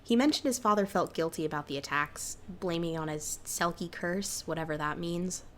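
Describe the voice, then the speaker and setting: Woman acting wary resigned cryptid lady in an audio drama, kinda low voice, hesitant, noisy background. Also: normal speed, natural voice. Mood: matter-of-fact. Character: Sybil, cautious, resigned female cryptid in a small town. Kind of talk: naturalistic audio drama dialogue.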